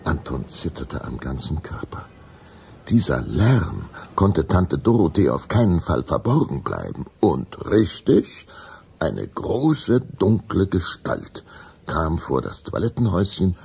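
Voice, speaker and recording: A man narrating a children's radio play as a suspenseful, deliberate storyteller. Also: low voice, very animated, gravelly, a little mellow, husky.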